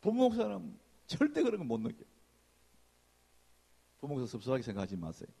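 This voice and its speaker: A man preaching a sermon as senior pastor, in a lively conversational way, acting out church gossip in hushed voices. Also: medium pitch, a little fast, vocal fry, breathy edge.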